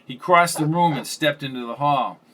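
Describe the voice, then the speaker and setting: A man with a slightly high voice narrates a thriller audiobook. He reads in a steady, measured way. A faint hiss sits under the voice.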